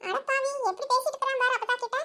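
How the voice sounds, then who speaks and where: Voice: extremely high pitch, racing, noisy background. A voice actor playing an indignant teenage sister muttering about her brother in a comedy cartoon. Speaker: cartoon character.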